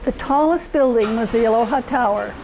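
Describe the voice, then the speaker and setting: A woman's voice: a little high, fairly quick, darkish tone, slight background noise, poor audio. An older woman from Hawaii, reminiscing fondly and rambling a little as she searches for words. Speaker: interviewee. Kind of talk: personal reminiscence.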